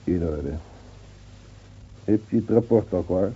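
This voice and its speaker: An actor playing a placid, wry, world-weary village gendarme reasoning soothingly in a radio play. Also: male voice, low voice, slow pace, dark tone, a little hiss or hum. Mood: calm, chiding. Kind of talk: Dutch radio play acting. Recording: dull, muffled old radio recording.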